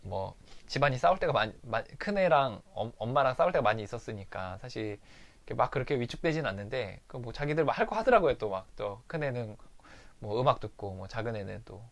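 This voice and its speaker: A man's voice: mid-range voice, very animated, quick pace, vocal fry. A man candidly recounting a fight with his wife in a personal recovery diary monologue. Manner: candid, confessional storytelling.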